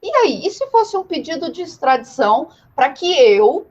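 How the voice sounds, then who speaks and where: A woman's voice: high voice, very animated, normal speed, darkish tone, muffled recording. A woman with a Brazilian Portuguese accent giving an informal live law lecture, explaining didactically with rhetorical questions and repetition. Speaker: law teacher.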